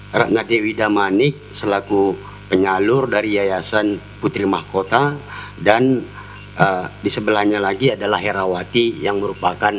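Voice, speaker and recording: A man's voice: on the low side, a little hiss or hum, poor audio. A man, a lawyer, formally addressing a committee with many hesitations and a deferential tone.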